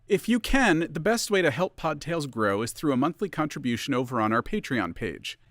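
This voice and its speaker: A man's voice: fairly high pitch, sing-song, moderate pace, fairly bright tone, dry recording, studio quality. A man reading a scripted promotional appeal as a festival announcer.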